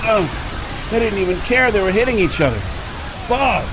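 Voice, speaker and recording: An actor playing a gruff, matter-of-fact male driver in a golden-age style radio drama. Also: high voice, expressive, normal speed, background noise. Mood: urgent.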